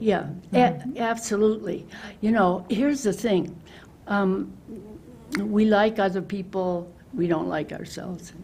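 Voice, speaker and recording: At a fairly slow pace with long, frequent pauses, a woman speaks at a medium pitch in a somewhat breathy, dark, mellow tone. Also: ordinary pitch variation. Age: 80s+. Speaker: author. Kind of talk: interview answer.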